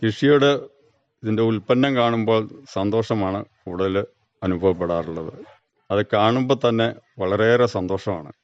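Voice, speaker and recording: A man's voice: on the low side, moderate pace, clean tone, no room sound. A man, giving plain, brief, factual answers in an interview as a retired farmer. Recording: dull, muffled radio recording.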